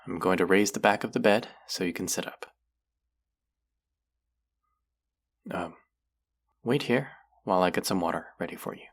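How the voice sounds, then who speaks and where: A voice actor playing a caring but gently stern clinic guide in a roleplay audio drama, soft-spoken and concerned, talking straight to a patient. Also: deep voice, brisk, gravelly, breathy edge, exaggerated voice. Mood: gentle, firm. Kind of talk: roleplay audio drama, speaking softly to the listener.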